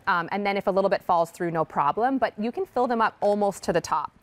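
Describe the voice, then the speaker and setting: A woman's voice: medium pitch, fast talker, dry recording. Female infomercial demonstrator, 30s, mid-range voice, friendly informal selling with an upbeat, encouraging delivery. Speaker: product demonstrator. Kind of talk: live infomercial product demonstration. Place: TV studio kitchen set.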